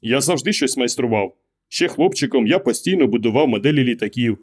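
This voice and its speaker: A man reading an audiobook, voicing a quiet, withdrawn husband who gives terse, hesitant, muttered answers. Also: mid-range voice, animated, a little fast, natural voice. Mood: evasive. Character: quiet, withdrawn middle-aged husband, evasive. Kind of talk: audiobook character voice.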